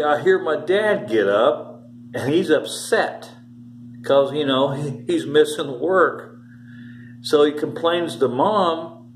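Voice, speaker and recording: Older man rambling, echoey room. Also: medium pitch. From Ohio, USA. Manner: rambling, emphatic, restarts sentences. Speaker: vlogger. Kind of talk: casual storytelling to camera. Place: small plain indoor room. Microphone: phone camera held close.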